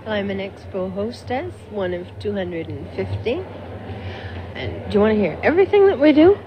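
A woman's voice: mid-range voice, sing-song, normal speed, muffled recording, background noise. A woman from Canada who works as an exhibition hostess, answering interview questions in a cheerful, forthcoming way. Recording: archival recording with chatter around. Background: crowd chatter.

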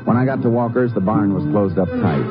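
An actor playing a terse, methodical Texas Ranger and narrator in a 1950s radio western, with clipped, businesslike delivery. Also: male voice, fairly low pitch, a little fast, loud music behind the voice, lightly acted. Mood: measured narrating. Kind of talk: 1950s radio western crime drama acting. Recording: dull vintage radio recording.

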